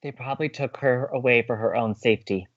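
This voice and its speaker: A man's voice: mid-range voice, fairly quick, lo-fi sound, natural voice. A young man acting an earnest, emphatic college radio co-host who believes in romance, in a scripted romantic comedy audio drama. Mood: stubborn denial.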